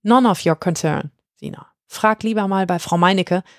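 A woman voicing an eccentric female Christmas witch who speaks in exaggerated courtly phrases with high, squeaky swoops. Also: moderate pace, dry recording, studio quality, lightly acted. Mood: chatty.

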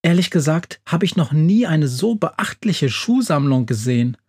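A man voicing a kindly female witch in a children's audio story, speaking gently. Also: on the high side, big pitch swings, moderate pace, husky, voice pushed up, heavily acted. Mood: curious.

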